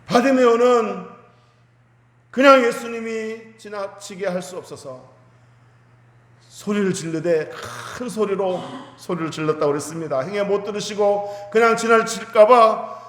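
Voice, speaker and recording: A man's voice: high-pitched, a little slow, fairly bright tone. A man preaching a Sunday sermon as pastor, retelling a Bible story with emphatic, rising delivery. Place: church sanctuary. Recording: echoey church hall with long reverb.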